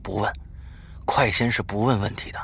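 A secretive young schoolboy drops his voice to give hushed, eerie warnings about a spirit game, as a man puts him on while telling a spoken ghost story. The voice sits low and carries a gravelly creak. Faint hiss lies underneath. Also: fairly even intonation, moderate pace. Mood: insistent. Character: boy schoolmate, seventh grader, secretive and eerie.

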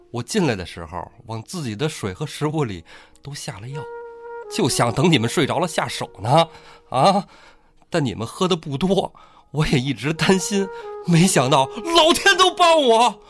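An actor in a radio drama playing a vengeful, gloating miner turned killer, with a maniacal manner. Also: male voice, a little high, very animated, a little slow, a bit bright. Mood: gloating, sinister. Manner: gloating, breaking into maniacal laughter and sobbing. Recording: music behind the voice.

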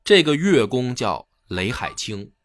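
A man's voice: mid-range voice, very animated, a little slow, fairly bright tone. A man telling history in a colloquial, slangy way. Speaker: history storyteller. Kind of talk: casual storytelling chat.

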